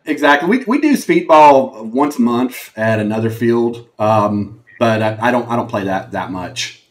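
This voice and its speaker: Thirties male guest, Texan accent, mid pitch, easygoing and hesitant. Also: expressive, a little slow. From born in Germany, raised in the US. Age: 30s. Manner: easygoing, self-deprecating, hesitant with fillers. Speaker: guest, IT business owner.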